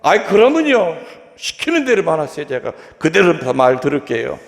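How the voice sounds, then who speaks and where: A man acting out a frantic middle-aged church president who pleads and shouts in a high, strained voice. The voice is gravelly, and a long reverb rings around it in a big hall. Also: big pitch swings, moderate pace. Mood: pleading.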